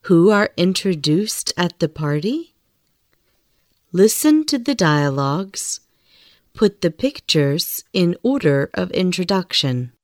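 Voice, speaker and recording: A woman reading scripted language-lesson audio, speaking very slowly and carefully. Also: on the low side, lively intonation, a little mellow, no room sound, clean studio sound. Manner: very slow, carefully enunciated reading. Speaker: textbook audio reader.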